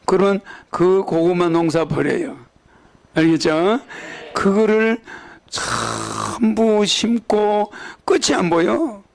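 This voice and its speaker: A man's voice: sits high, gravelly. An older man with a Gyeongsang accent, preaching a sermon as a religious leader in a rambling way, often checking in with his listeners through tag questions. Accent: Gyeongsang Korean. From Gyeongsang region, South Korea.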